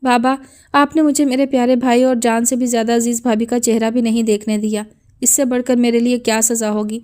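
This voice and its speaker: Woman reading middle-aged daughter, tearful, pleading, soft mellow tone, audiobook. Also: on the high side, flat delivery, lightly acted. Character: grieving middle-aged woman begging her father's forgiveness.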